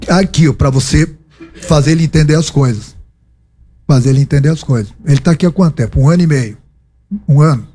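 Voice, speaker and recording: A man with a Brazilian accent fields reporters' questions as a football coach. His voice is husky and mellow, sitting slightly high. He is emphatic, repeating his phrases and firing off rhetorical questions. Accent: Brazilian Portuguese. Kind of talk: post-match press conference answers.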